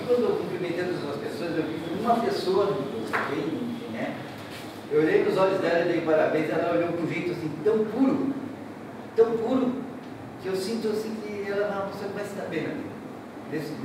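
A man's voice: high voice, fairly quick. A middle-aged man from southern Brazil gives an emotional, repetitive speech at a ceremony, speaking from the heart and gesturing broadly. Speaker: real estate broker giving a speech. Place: large indoor hall. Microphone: distant room mic. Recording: echoey hall, distant mic, noisy.

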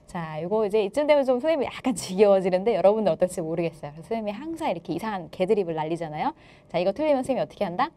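A woman teaching an exam-explanation lecture, lively and playful, joking with her students. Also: mid-range voice, very fast.

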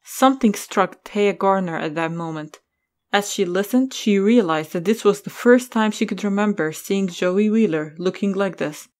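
A woman's voice: mid-range voice, normal speed. A woman reading scripted story narration as the narrator of an audio drama.

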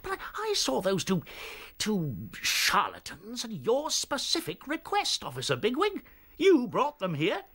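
Radio play's elderly rabbit ruler. Doddery, self-important, throat-clearing, extremely animated intonation. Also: male voice, sits high, a little slow, heavily acted. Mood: stern, indignant. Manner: hesitant, blustering, throat-clearing. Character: doddering, pompous old male chief rabbit. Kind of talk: radio drama acting.

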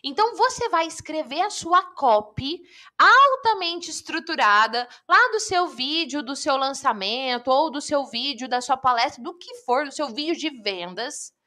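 A woman coach teaching public speaking in a live online lesson, lively and talking straight to viewers. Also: high-pitched, a little slow. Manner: lively, addresses viewers directly.

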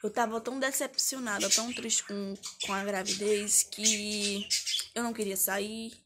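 A woman's voice: mid-range voice, steady tone, measured pace, very noisy. A woman, telling a personal story to camera in a chatty, emotional way, often repeating herself. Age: 20s. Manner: chatty, repetitive, emotional retelling. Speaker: vlogger. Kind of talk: casual confessional storytime. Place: her mother's house, indoors.

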